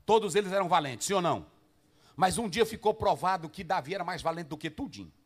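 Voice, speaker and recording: A pastor preaching to pastors, swinging between loud shouted passages and low asides and firing rhetorical questions at the listeners. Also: male voice, lively intonation, fast, breathy edge. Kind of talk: Pentecostal-style preaching to pastors.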